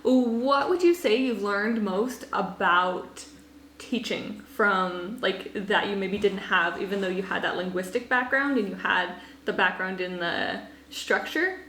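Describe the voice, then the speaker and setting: A woman's voice: medium pitch, unhurried, a bit bright. A woman speaking as a host and language coach in a conversational interview, rambling and often saying "like". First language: English. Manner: rambling, frequent "like". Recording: echoey room, noticeable background noise.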